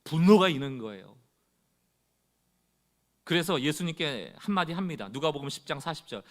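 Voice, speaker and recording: A male pastor delivers a Sunday sermon in a fairly high voice that swings widely in pitch. He talks straight to the congregation and acts out people's complaints in a loud, rising tone. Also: animated, moderate pace.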